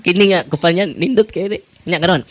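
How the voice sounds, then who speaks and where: A Catholic priest, preaching to parishioners in an animated style, laughing often and switching between languages. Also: high voice, brisk, slight background noise. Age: 40s. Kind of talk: sermon to parishioners.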